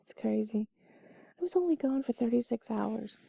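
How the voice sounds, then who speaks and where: Husky, whispery woman with a creaky edge. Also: a little high, expressive, moderate pace, no room sound. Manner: soft, rambling, confiding. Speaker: intimate audio creator. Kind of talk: intimate, cuddly whispered storytelling to the listener.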